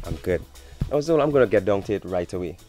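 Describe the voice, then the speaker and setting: A man interviewing a singer, asking questions in a smooth, measured, complimentary way. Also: sits low, animated, warm tone, soft background music.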